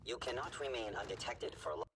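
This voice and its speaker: A man voicing a cold, suspicious security robot in a video game, heard through a robotic voice filter, speaking in clipped, flat announcements. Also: medium pitch, quick pace. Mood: wary. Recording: game audio under a stream with background noise.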